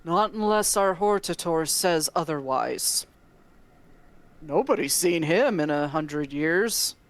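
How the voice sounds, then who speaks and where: A woman voicing a blunt, gruff male dark elf dock official in a tabletop game, curt and dismissive. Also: sits low, animated, slow pace, exaggerated voice. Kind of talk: tabletop role-play.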